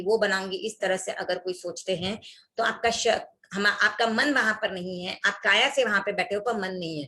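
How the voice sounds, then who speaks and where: A woman's voice: mid-range voice, sharp tone. Woman teacher, explanatory lesson, recites passages, video call audio. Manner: explanatory, recites scripture passages to show errors. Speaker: religious teacher. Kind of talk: online workshop lesson.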